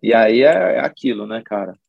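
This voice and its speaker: A man with a gravelly, husky voice talks about his music career in a loose, rambling way. He uses plenty of slang and often restarts his sentences, like a relaxed musician in a casual interview. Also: medium pitch, moderate pace, no room sound, lo-fi sound. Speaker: musician guest.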